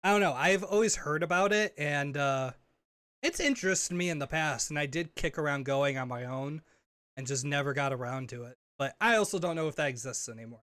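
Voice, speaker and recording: A man's voice: a little high, a little fast, fairly bright tone, no echo. A man co-hosting a podcast, chatting casually, teasing his partner and laughing often at himself. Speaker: podcast co-host.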